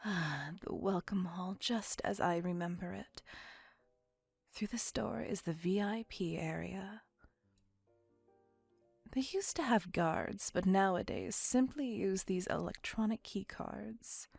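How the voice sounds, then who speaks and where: A possessive, centuries-old vampire woman, as a woman voices her murmurs in a breathy, gravelly whisper, slow and unhurried. Her phrasing is formal and old-fashioned, close and dry on the mic, with soft music far behind. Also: medium pitch, expressive, dry recording, exaggerated voice. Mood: tender. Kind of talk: ASMR roleplay. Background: faint music.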